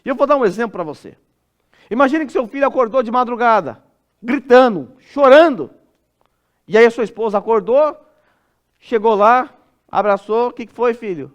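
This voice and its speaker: In church, a Brazilian Portuguese-accented pastor gives an expository sermon at moderate speed, leaving long pauses. His delivery is expressive, and he drops to a soft, low tone while playing the part of a parent.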